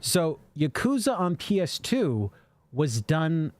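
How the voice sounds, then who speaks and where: A man's voice: a little high, very animated, slow, no echo. A man co-hosting a casual livestream, reading out viewer super chats and answering with lots of fillers. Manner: rambling, reads super chats aloud with fillers. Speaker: co-host answering viewer questions. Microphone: studio microphone.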